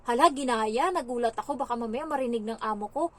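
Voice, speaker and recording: A young Filipina domestic helper tells stories in a casual vlog, chatty and animated with plenty of fillers. Her voice is on the high side and she talks at a quick pace.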